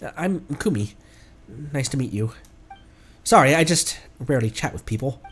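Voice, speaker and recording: A man reading game dialogue as a shy, apologetic, wistful stranger, hesitant and soft-spoken. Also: mid-range voice, animated, moderate pace, pitched below the performer's own voice, lightly acted. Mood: awkward, apologetic.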